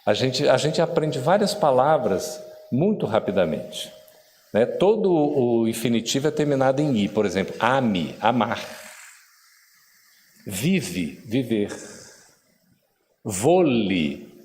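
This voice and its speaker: A middle-aged Brazilian man lectures in a big echoing hall, his pitch bouncing up and down as he teases and quizzes his listeners. He drills words slowly and clearly, in a warm, playful teaching manner. The long reverb of the room trails each phrase. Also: sing-song, a little hiss or hum. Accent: Brazilian Portuguese. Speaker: spiritist lecturer teaching Esperanto. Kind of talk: lively lecture to a live audience.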